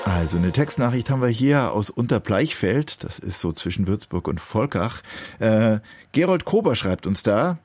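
A man hosting a radio call-in show, calm and conversational as he reads messages and talks to callers. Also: fairly low pitch, normal speed, faint music behind. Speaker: radio host.

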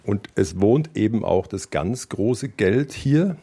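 Gravelly low male radio host. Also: animated, takes it slowly, dark tone. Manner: wry, probing questions. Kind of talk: radio interview. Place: on location by a lake.

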